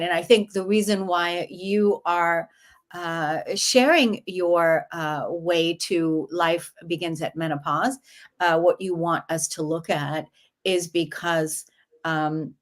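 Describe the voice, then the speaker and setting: A woman's voice: lowish voice, takes it slowly. A woman hosting a podcast interview, talking in an earnest, meandering way with many fillers. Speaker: podcast host.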